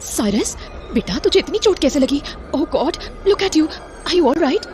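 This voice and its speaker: A woman's voice: high voice, big pitch swings, slow pace, heavily acted. An actress playing an anxious, protective mother in a horror audio drama, emotional and alarmed. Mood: anxious tender. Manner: alarmed, emotional, switches into English phrases. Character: anxious, stern, protective mother of two boys. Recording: dramatic music behind.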